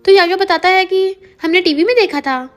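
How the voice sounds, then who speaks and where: A woman's voice: very high-pitched, moderate pace, soft background music. A woman narrating a drama recap, retelling each scene and quoting the characters' lines in her own voice. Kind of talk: scripted story narration.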